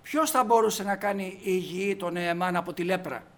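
High-voiced emphatic male preacher. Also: fairly bright tone. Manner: emphatic, asks the congregation rhetorical questions. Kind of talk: sermon.

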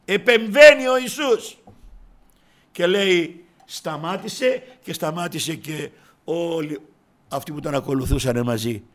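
A man preaching a sermon, swinging between soft murmurs and loud fervent cries, and often addressing his listeners as brothers. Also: fairly high pitch. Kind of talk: impassioned sermon.

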